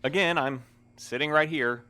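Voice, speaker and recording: An actor in an audio drama playing a weary postmaster who speaks formally with dry, sardonic wit. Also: male voice, on the high side, normal speed, pushed and bright, clear, resonant tone. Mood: resigned. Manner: formal wordy phrasing, dryly sardonic.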